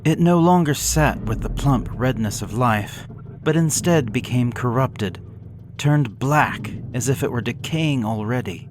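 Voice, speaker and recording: A man slowly reading a gothic horror story aloud in a measured, somber way. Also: medium pitch. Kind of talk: scripted horror narration. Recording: hissy background noise.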